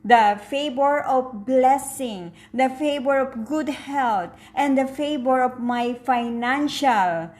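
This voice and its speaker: A woman's voice: sits high, takes it slowly, few pauses, a little mellow. A woman with a Filipino accent chatting casually to her viewers as a vlogger, often repeating words for emphasis. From Philippines.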